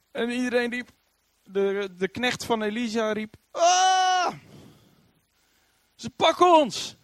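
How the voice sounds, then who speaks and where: A man preaching a sermon, telling the story in an animated way and acting out the voices of the people he quotes. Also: high-pitched, no echo.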